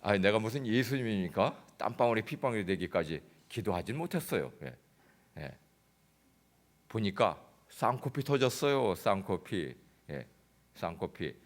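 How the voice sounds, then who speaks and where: A man preaching a sermon as pastor, telling a comic story that swings between loud outbursts and hushed, intense passages. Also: on the low side. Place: church sanctuary.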